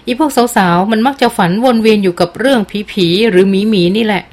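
A woman's voice: medium pitch, a little fast, darkish tone, close to an everyday voice. Woman reading as twangy cheeky old tracker. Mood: teasing. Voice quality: drawling rural twang. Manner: easygoing, teasing. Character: old male jungle tracker, rustic, cheeky joker.

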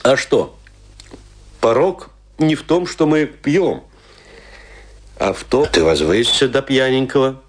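A middle-aged, tipsy Russian intellectual in a radio play. His delivery swings widely in pitch as he moves from confiding to declamation. He is rueful and self-mocking, and he leaves dramatic pauses. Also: lively intonation. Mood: mournful, ironic. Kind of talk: theatrical dramatic monologue.

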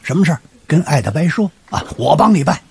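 A man's voice: a little high, sing-song, fast, husky, heavily acted. An actor playing a fussy, boastful old grandfather from Beijing who stammers and rambles, in a radio drama over background music. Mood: reassuring. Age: older.

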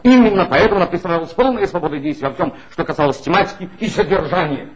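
An actor playing a bitter, ironic former magazine writer in a 1960s radio play, speaking in a measured, wry way. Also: male voice, sits high, husky. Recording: dull old 1960s radio recording with faint hiss.

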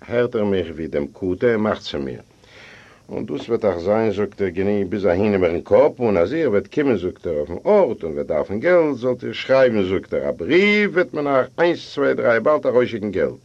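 Low-voiced man reading a story theatrically. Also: big pitch swings, moderate pace, a little mellow. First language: Yiddish. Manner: theatrical, voices each character in the dialogue. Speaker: audiobook reader. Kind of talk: expressive first-person storytelling. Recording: dull lo-fi recording.

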